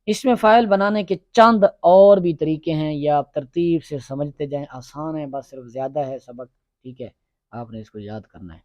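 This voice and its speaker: A male teacher giving a classroom grammar lesson, drilling his students with quick questions and repetitions. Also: fairly high pitch, darkish tone, no room sound, dull audio.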